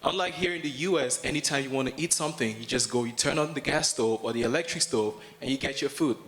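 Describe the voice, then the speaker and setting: A man with a Cameroonian accent delivering a prepared business pitch to an audience, with emphatic, repeated phrasing. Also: quick pace, a bit bright. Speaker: student entrepreneur pitching a business.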